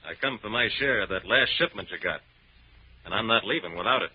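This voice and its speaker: An actor playing a tough, suspicious gangster who talks in curt, slangy threats in a 1940s radio crime drama. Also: male voice, fairly low pitch, lively intonation, a little fast, breathy edge. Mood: menacing. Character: tough, suspicious, bullying gangster demanding his share. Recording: muffled old radio recording.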